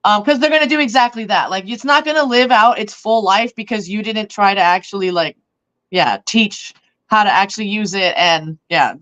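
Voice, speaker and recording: A woman's voice: medium pitch, moderate pace, fairly bright tone. A woman chatting casually in an interview, speaking earnestly and leaning on "like" and "yeah". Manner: filler-heavy, "like" and "yeah", earnest. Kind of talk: casual chat. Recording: slightly dull lo-fi audio.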